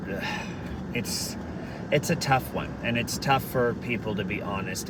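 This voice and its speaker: Deep-voiced man, candid vlogger, talks earnestly from a distance from the mic, noticeable traffic noise behind. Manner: earnest, candid, occasionally swears. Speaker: vlogger answering questions. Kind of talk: casual Q&A monologue. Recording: distant mic, noisy background.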